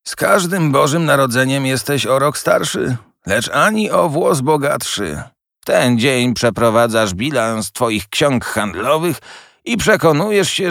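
A scornful old miser with a slow, biting grumble, as a man reads him. His voice climbs and dips as he scolds, with a dry sound. It is an old storybook read aloud. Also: fairly low pitch, a bit bright, smooth, no echo, exaggerated voice.

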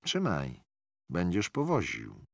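A man reading an audiobook, voicing a calm, caring older grandfather who is a retired colonel, speaking gently and reassuringly. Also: low voice, takes it slowly, gravelly, no room sound, studio quality, full character voice. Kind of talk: audiobook character voice.

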